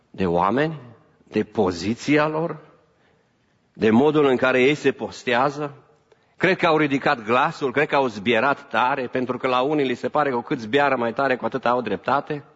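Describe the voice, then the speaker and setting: A man preaching a sermon to his congregation, moving between raised emphatic lines and quieter asides, with a few English phrases mixed in. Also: medium pitch, animated. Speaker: pastor. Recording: reverberant hall, dull lo-fi sound.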